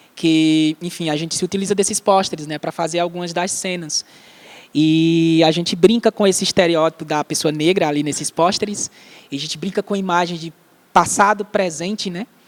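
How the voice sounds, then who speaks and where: The sound is dry and close, with no echo. A man speaks at a high pitch with fairly even intonation. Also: moderate pace. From Cariri region, Ceará, Brazil. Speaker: theatre teacher and writer. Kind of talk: casual chat.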